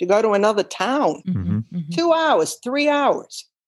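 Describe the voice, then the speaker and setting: Her pitch is fairly high and swings very widely as this woman speaks with a Rhode Island accent. She goes at a moderate pace against a quiet background. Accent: Rhode Island New England, dropped Rs. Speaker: writer and retiree guest. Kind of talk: casual chat.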